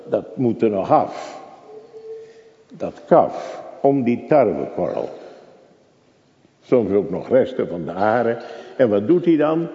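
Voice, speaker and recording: A man's voice: medium pitch, warm tone. An older man preaching a sermon in a church, dramatic and full of rhetorical questions to the congregation. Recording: echoey, dull church recording.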